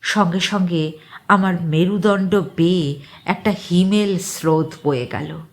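A woman reading an eerie short story aloud as dramatic narration, with a suspenseful delivery and deliberate pauses. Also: lowish voice.

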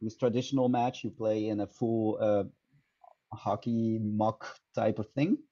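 A man's voice: fairly low pitch, fairly even intonation, unhurried, mellow. A man in his thirties from France with a French accent, an improv teacher answering interview questions thoughtfully, with many fillers and restarts, over a headset on a video call. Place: small room indoors. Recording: dull lo-fi video call audio.

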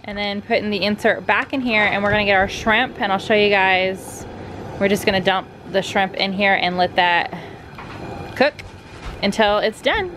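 A woman's voice: medium pitch, normal speed, noisy background. A woman in her thirties chatting casually to her viewers while filming a cooking vlog on an outdoor deck. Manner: chatty, addresses viewers as "you guys". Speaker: vlogger.

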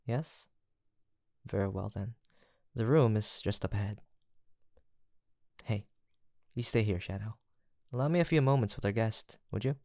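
A man playing a gentle, earnest apothecary in a fantasy audio roleplay, soft-spoken, formal and courteous, with some hesitation. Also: on the low side, measured pace, gravelly, pauses often, no room sound, clean studio sound. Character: gentle, earnest, guilt-haunted male apothecary in fantasy village. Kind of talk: soft, sweet roleplay acting addressed to the listener.

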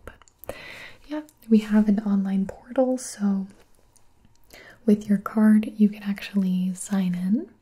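A woman in her twenties playing a friendly, chatty young public librarian in a whispered role-play, with a gentle, breathy library whisper. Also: mid-range voice, fairly even intonation, takes it slowly. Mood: explaining, easygoing. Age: 20s. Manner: soft-spoken library whisper, gentle and casual.

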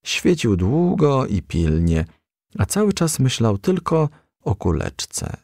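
A man's voice: medium pitch, sing-song, slow pace, darkish tone, no room sound, clean studio sound. A man reading a children's story aloud as scripted audiobook narration. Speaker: audiobook reader.

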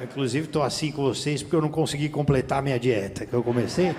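A man's voice: mid-range voice, fast. A man from Brazil doing a stand-up comedy set on a theater stage with a handheld mic, teasing the crowd in profane slang. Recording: reverberant theater, faint room noise. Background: audience laughter.

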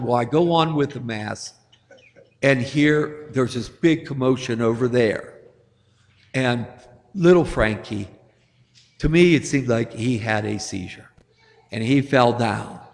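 Slow-preaching priest in a reverberant church. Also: male voice, medium pitch, gravelly. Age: older. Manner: gentle, storytelling, chuckles at his own jokes. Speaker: Catholic priest. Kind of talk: sermon.

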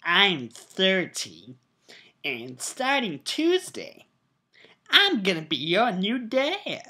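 A young man playing a smug thirty-year-old would-be stepdad, speaking deliberately in a comedy sketch. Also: sits high, wildly swooping pitch, sharp tone, full character voice. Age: young adult. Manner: slow, deliberate. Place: indoors, room at home.

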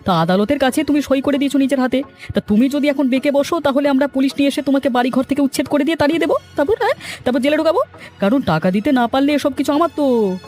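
A man's voice: extremely high pitch, very fast, a little mellow, faint music behind. A man voicing a greedy, scheming cartoon land broker, pushy and threatening. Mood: threatening, bullying. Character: scheming, greedy male land broker who bullies villagers. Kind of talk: dramatic cartoon voice acting.

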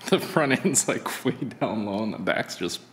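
A man's voice: fairly low pitch, lively intonation, a little slow, in a large hall, a little hiss or hum. A man hosting a casual DIY how-to walkthrough, laid-back and plain-spoken, explaining each step with frequent fillers. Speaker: channel host.

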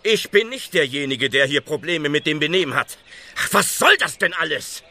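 A burly pious blacksmith in an audio drama, indignant, super forceful, lots of swing in the voice. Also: male voice, on the high side, animated, moderate pace, heavily acted. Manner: fervent, indignant, emphatic. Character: burly, devout, defiant village blacksmith accused of murder. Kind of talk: German audio drama acting.

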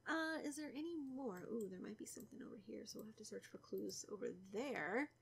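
A young woman with a cold, stuffy and a little raspy, chatting casually through a let's play and teasing the characters. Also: on the high side, animated, fairly quick, a bit bright. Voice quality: slightly raspy. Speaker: gaming YouTuber.

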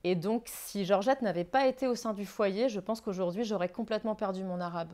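Mellow-voiced reflective young woman author. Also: medium pitch, brisk. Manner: reflective, repeats words as she thinks. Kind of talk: bookshop author talk. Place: bookshop reading event, indoors.

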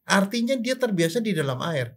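An older man with a somewhat high voice explains things the way a doctor would. He keeps it casual, tossing out rhetorical questions and playful sound effects as he goes. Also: sing-song, a little fast, a bit bright, slightly rough. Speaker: forensic doctor.

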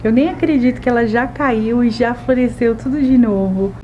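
In this casual chore vlog, a young Brazilian woman addresses viewers in a chatty, upbeat way from the bedroom and bathroom of her small apartment, her Brazilian Portuguese accent clear. Her voice is fairly high and warm at a moderate pace, though the handheld wide-angle camera mic makes it sound muffled, with soft music in the background.

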